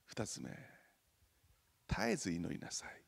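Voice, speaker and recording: Lively pastor preaching in a reverberant church. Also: male voice, lowish voice, unhurried, creaky, slightly rough. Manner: animated, acts out quoted voices loudly, jokes. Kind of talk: sermon. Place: church sanctuary.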